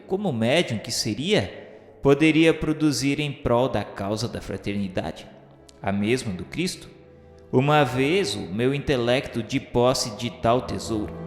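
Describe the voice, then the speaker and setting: Guy playing solemn brazilian male spirit telling his memoirs, radio drama, poetic and formal, mid pitch, very echoey. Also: natural voice. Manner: formal, measured, poetic delivery. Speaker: narrator of a radio novel. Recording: echoey long reverb, music behind.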